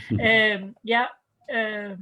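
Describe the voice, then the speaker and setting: A woman from Denmark introduces herself on a video call in a brisk, upbeat way, with a middle pitch. She talks about her work as a facilitator. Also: flat delivery, bright, forceful tone. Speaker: facilitator, participant.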